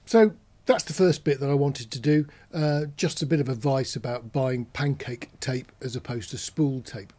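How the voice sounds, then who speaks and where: A man's voice: mid-range voice, moderate pace, hardly any pauses, warm tone. A man giving a casual explainer as a presenter, talking in a matter-of-fact, conversational way, step by step. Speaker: presenter of an audio gear channel.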